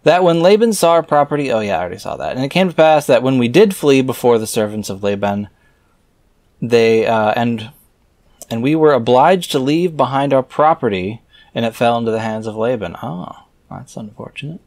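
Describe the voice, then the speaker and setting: A man's voice: mid-range voice, animated, moderate pace, darkish tone, dry recording. A man reading scripture aloud and breaking off for offhand, wry, skeptical comments, sometimes muttering as he thinks aloud. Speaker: reader and commentator.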